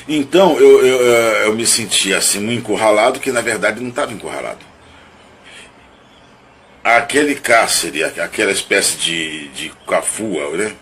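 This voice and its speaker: Male, lowish pitch, bright tone, reflective monologue, hesitant and self-correcting, faint background noise. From Brazil (Rio de Janeiro). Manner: halting and searching, with many restarts and repeated words; thoughtful, hedging, self-analytical. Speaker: narrator recounting and analyzing his own dream.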